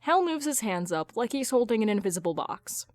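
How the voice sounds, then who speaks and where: A woman's voice: a little high, very animated, a little fast, no echo, clean studio sound. A woman reading scripted fiction as an audiobook-style narrator, with wry asides. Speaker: podfic narrator.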